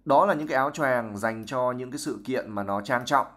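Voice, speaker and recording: A young man, a native Vietnamese speaker, teaches English vocabulary to his live-stream viewers. He works through a novel passage by passage, reading aloud and then explaining each word in a chatty, patient way. His voice sits at an ordinary middle pitch. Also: a little fast, a bit bright. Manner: reads passages, then explains words at length.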